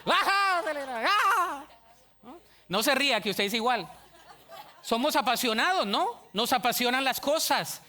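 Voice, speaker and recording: High, bright-voiced emphatic man preaching. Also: moderate pace. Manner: animated and emphatic, calls out to the congregation; admits to being a shouter. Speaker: pastor. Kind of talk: sermon. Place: church sanctuary.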